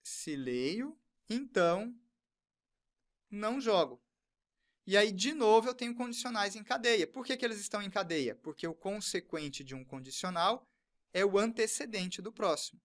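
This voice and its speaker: A male teacher, walking through a recorded online lesson. He is methodical and says each step twice, slowly, as he writes it out on screen. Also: high-pitched.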